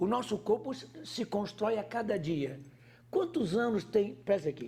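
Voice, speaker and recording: A man speaks in a high pitch. His pitch swings very widely. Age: 70s. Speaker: naturopath and clinical nutritionist. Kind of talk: interview answer.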